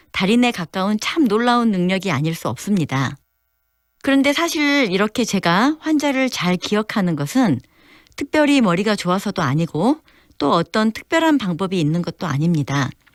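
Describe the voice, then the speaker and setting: On a very clean recording with a silent background and a dry, close sound with no echo, a woman at medium pitch talks at a moderate pace with very wide pitch swings. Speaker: dental hospital director and dentist. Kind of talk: radio column commentary.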